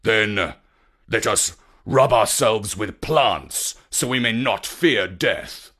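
Brief: man voicing an earnest storybook hero king, slow and expressive. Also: lowish voice, slightly rough, pitched below the performer's own voice, heavily acted. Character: brave young heroic king, anxious before battle.

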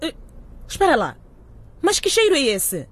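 A woman's voice: high-pitched, wildly swooping pitch, normal speed, slight background noise. A woman playing an emotional, exasperated middle-aged mother of a teenage son in a radio drama. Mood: consoling, insistent.

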